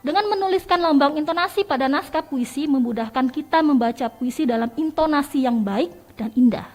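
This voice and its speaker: A woman teacher giving a radio lesson, explaining step by step and addressing her listeners warmly as children. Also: sits high, brisk. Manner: explains step by step, calls listeners "nak" and "sayang".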